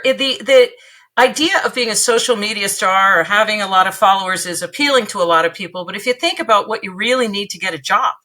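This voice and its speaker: A woman's voice: mid-range voice, sharp tone. A woman guest on an interview podcast giving career advice in an emphatic, punchy way, repeating points for effect.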